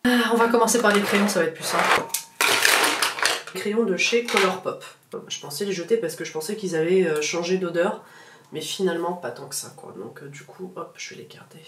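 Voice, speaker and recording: A woman vlogger chatting casually as she sorts through her makeup, relaxed and slangy with lots of fillers. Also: on the low side, brisk, distant mic. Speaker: beauty vlogger. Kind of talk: casual chat while sorting makeup. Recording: echoey room, voice off-mic, faint background noise.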